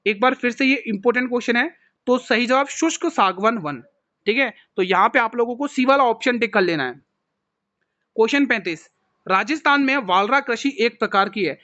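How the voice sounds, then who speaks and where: A man, a coaching teacher solving an exam paper for students in a brisk way, who often calls them "mere bhai". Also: extremely high pitch, pushed and bright, dry recording, lo-fi sound. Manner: brisk, calls viewers "mere bhai", keeps saying "theek hai".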